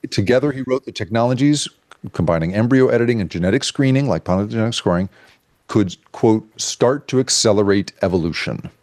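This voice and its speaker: Low-pitched guy telling a story on a chat show, lots of restarts and fillers, dry close sound. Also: no echo. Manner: animated, halting with restarts and fillers. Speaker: guest journalist. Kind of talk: casual storytelling interview.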